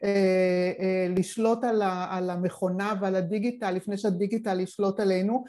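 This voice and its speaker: A woman's voice: medium pitch, fairly even intonation, mellow. Reflective woman on a video call. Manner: reflective, expansive, thinking aloud. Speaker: panel participant. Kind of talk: online panel discussion. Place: home living room.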